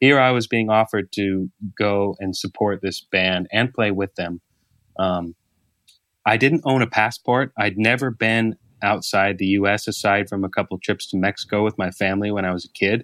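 This man has an ordinary speaking voice, fairly low in pitch with fairly even intonation and an American accent, at a moderate pace. The recording is very clean with a silent background and a dry, close sound with no echo. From Oregon, US (Yamhill County). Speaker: musician. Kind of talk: casual interview chat.

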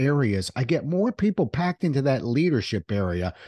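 Heard over a quiet background, the sound is dry and close, with no echo. The voice has a warm tone, a moderate pace and very wide pitch swings. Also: man. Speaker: podcast host. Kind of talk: interview conversation. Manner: warm, conversational.

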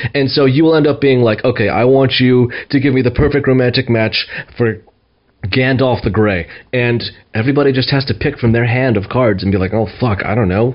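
Speaking at a fairly quick pace, a man uses a plain, everyday voice at medium pitch, with ordinary pitch variation and very even loudness. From New York. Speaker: podcast host. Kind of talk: casual chat.

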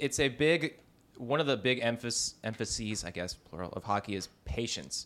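This man has a normal speaking voice, a medium pitch, and an American accent. He talks at a moderate pace with lively intonation. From Georgia, US South. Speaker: podcast guest. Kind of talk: casual chat.

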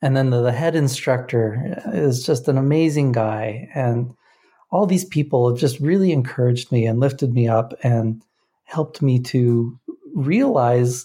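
Somewhat breathy and dark, mellow in tone, a man with an American accent and medium pitch speaks at a moderate pace with ordinary pitch variation and very even loudness. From Oregon coast. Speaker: computer programmer, podcast co-host. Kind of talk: interview, personal testimony. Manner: halting, repeats words.

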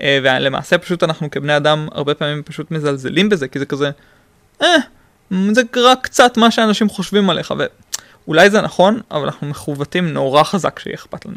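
A man talks at a fairly quick pace in a fairly high pitch, with lively intonation and big swings in loudness. The sound is dry and close, with no echo. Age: 20s. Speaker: debate coach and psychology PhD student. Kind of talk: casual interview. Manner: hesitant, many fillers.

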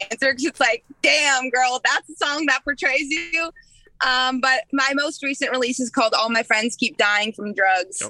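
A woman with an American accent uses a raised, projected voice at a high pitch, moderate pace, ordinary pitch variation and a bright, sharp tone, in a dry, close sound with no echo. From San Diego County, California. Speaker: singer-songwriter. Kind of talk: casual interview chat. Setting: in a car, video call.

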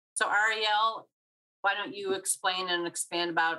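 A woman with an American accent and fairly even intonation. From Chicago area. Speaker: co-host, photo organizer. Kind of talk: casual interview chat.

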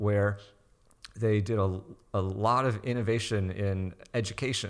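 A man with a fairly low pitch uses a normal speaking voice with fairly even intonation. The recording is very clean, with a silent background. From Michigan (Saginaw). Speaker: political candidate. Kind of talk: interview.

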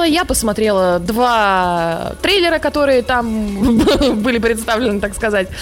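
A woman talks fairly slowly at a fairly high pitch, her pitch swinging very widely while her loudness stays very even. Background noise is noticeable. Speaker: podcast co-host. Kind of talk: casual chat.

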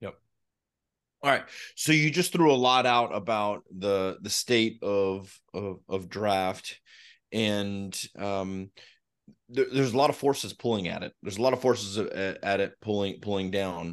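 An ordinary speaking voice from a man, fairly slow in pace, with ordinary pitch variation over a quiet background. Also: fairly low pitch for a man. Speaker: podcast host. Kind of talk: casual interview chat.

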